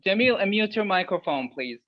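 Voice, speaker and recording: A man's voice: high voice, expressive, fairly quick. A man chatting casually and helping with introductions in an online lesson. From Algeria. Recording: dull, lo-fi online call audio.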